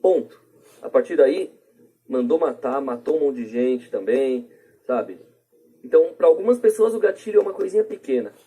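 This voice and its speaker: A man's voice: medium pitch, expressive, moderate pace, warm tone, husky, rough recording. A man with a Brazilian accent explaining things casually through examples as a podcast guest.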